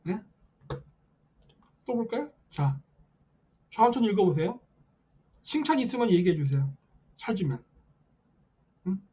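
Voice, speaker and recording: A man's voice: high voice, very animated, a little slow, long pauses, warm tone, husky, dull audio. A man hosting a late-night political livestream, insistent and rhetorical, who keeps prodding his viewers with questions. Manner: mocks opponents with quoted voices.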